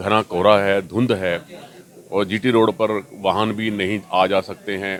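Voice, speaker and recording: This man's voice sits fairly low, and his intonation stays monotone and flat. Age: 50s. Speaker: local resident interviewed. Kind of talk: street interview.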